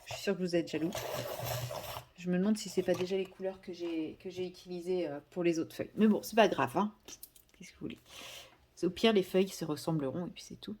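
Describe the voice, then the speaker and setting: A woman's voice: lowish voice, fairly quick, a little mellow, slight background noise. A woman chatting casually to viewers while she colours, rambling and correcting herself as she goes. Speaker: vlogger.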